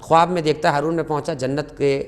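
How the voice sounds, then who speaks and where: Guy telling religious stories on a talk show, fairly high voice, gets fired up on the big lines. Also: little pitch movement. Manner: impassioned, rises sharply on key phrases, recites Arabic quotations slowly. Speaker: guest religious scholar.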